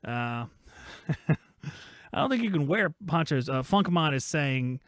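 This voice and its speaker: A man's voice: a little high, animated, measured pace, no room sound, clean studio sound. A man in his forties hosting a live-streamed podcast from his workshop, rambling and joking as he reads viewer chat aloud. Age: 40s. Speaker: host of a live-streamed shop talk podcast.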